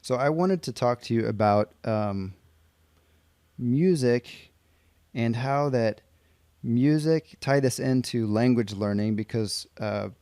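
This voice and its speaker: A man's voice: medium pitch, slow, dark tone, clear, resonant tone, no echo. American man hosting, dry close sound. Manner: friendly, recaps answers, many fillers. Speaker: podcast host. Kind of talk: casual interview questions.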